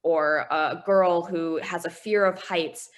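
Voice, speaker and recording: Low-pitched earnest young woman. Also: steady tone, slow. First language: Chinese. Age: 20s. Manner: earnest, reflective, with small laughs. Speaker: guest author. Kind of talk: interview conversation.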